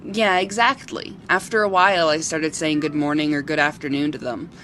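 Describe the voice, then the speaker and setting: A woman acting as a sincere local television reporter in a radio drama. Her delivery is measured and story-like, with faint noise on the homemade recording. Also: deep voice, fairly even intonation, a bit bright, poor audio. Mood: nostalgic. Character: sincere female local TV reporter who loves wild creatures. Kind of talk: amateur audio drama dialogue.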